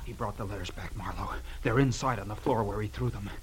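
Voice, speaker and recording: A man's voice: lowish voice, fast talker, natural voice. An actor playing a shaken, agitated man in a 1940s radio crime drama, urgent, faltering and distraught. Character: shaken, agitated man pleading self-defense after killing. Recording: noisy old radio recording.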